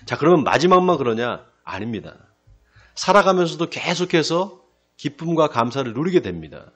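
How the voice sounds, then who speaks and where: A male pastor giving a sermon. He asks the congregation questions and answers them himself, slows down to stress key phrases, and often drops to a quiet close. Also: fairly high pitch, breathy edge. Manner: lively preaching, rising then dropping to a quiet close. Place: church sanctuary.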